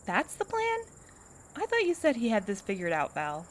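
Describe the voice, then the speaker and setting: A woman's voice: a little high, huge pitch swings, moderate pace. A woman acting in an audio drama as a loyal but uneasy companion with a sardonic, questioning manner. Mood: skeptical, wry.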